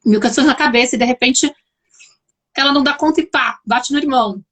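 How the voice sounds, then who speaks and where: A woman's voice: sits high, brisk, fairly bright tone. A woman with a Brazilian accent hosting a live video chat, explaining her points in a thoughtful way. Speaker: host.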